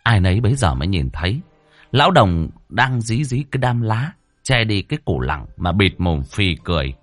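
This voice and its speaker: A man narrating a comic folk-style tale in a lively way. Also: fairly low pitch, normal speed, no echo, soft background music. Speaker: storyteller.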